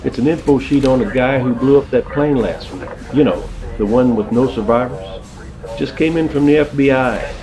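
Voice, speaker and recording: A man's voice: mid-range voice, normal speed, over music, lightly acted, low-quality recording. A man playing an investigator in an audio drama, briefing a colleague in a wry, conversational way. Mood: serious, informative.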